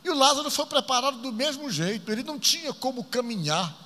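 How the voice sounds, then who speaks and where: A male pastor tells a Bible story from the pulpit with animated, dramatic emphasis. His voice sits high and sounds bright and forceful. A long reverb trails behind him in the church. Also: fast.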